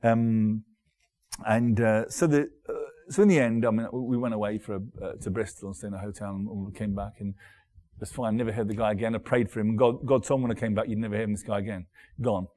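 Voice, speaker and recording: A middle-aged man from Derby, preaching a sermon as pastor in a conversational, halting way, often restarting and repeating words. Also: lowish voice, fairly even intonation, dark tone. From Derby, England.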